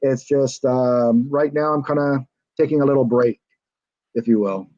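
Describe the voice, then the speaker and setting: A man's voice: mid-range voice, normal speed, darkish tone, no room sound, highs cut off. An American man chatting as a guest over a video call, hesitant and rambling with lots of fillers and restarts. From United States. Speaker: guest, former reality show contestant. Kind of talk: casual video call chat.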